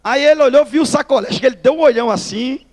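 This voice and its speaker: A man's voice: very high voice, very fast. A male pastor with a Northeastern Brazilian accent, telling his testimony in a folksy preaching style and calling the listeners brother. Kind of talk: testimony sermon. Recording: long hall reverb.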